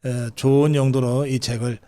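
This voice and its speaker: A man's voice: mid-range voice, level tone, moderate pace, dark tone. A man hosting an interview in a conversational style, summing up and prompting his guest. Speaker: interview host.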